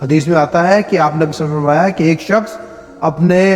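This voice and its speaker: Noticeable background noise runs under this recording. A man speaks at a fairly high pitch with ordinary pitch variation. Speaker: Islamic preacher giving a religious talk. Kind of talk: religious sermon (bayan) in Urdu.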